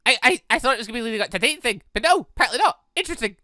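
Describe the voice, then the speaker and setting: Excitable let's player, bright lively voice. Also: mid-range voice, rapid-fire, no room sound, studio quality. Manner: excitable, rambling. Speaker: video game let's player. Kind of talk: casual gameplay commentary, reading dialogue aloud.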